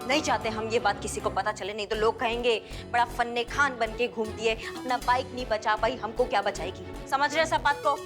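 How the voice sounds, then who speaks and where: A woman's voice: a little high, brisk, few pauses, music in the background, natural voice. An actress playing a brash young woman sub-inspector who threatens and swaggers in a TV serial. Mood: fiery swagger. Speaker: sub-inspector Karishma Singh. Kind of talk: TV serial acting.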